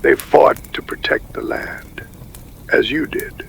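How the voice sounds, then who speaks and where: An actor playing a dignified, gracious tribal chief in an audio adventure drama, with a gravelly, husky voice and stately, formal delivery. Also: male voice, slow, a bit bright, a little hiss or hum. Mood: solemn, welcoming.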